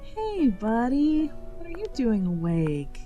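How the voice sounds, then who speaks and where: An actress playing a tired, worried mother in an audio drama, soft-spoken, gentle and a little hesitant. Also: on the high side, huge pitch swings, takes it slowly, music in the background, heavily acted. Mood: gentle, motherly. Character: tired, gentle young mother hiding her worry. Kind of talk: audio drama acting, domestic dialogue.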